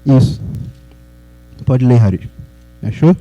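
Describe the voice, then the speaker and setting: A man's voice: medium pitch, animated, takes it slowly, warm tone, highs cut off. A man from Salvador, Brazil, preaching a sermon in a conversational way and putting questions to the congregation.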